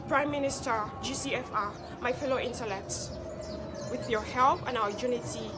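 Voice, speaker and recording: A woman's voice: high-pitched, very noisy, close to an everyday voice. A woman playing a proud young Hausa woman who speaks with a Nigerian Hausa accent and talks in a formal, speech-giving way. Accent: Hausa Nigerian English. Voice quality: formal, speech-giving, then loud laughing banter. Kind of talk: comedy skit acting.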